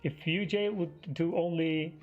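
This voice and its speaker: A man hosting a live trading stream, half losing his voice, talking through the market in a halting, think-aloud way. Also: a little high. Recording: muffled stream audio with faint music.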